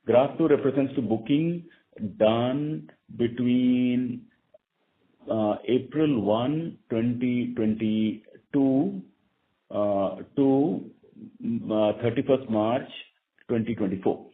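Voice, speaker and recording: An Indian-accented man answering analysts as a bank executive on an earnings call, explaining haltingly and often repeating words. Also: mid-range voice. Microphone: conference call phone line. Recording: narrow tinny phone line.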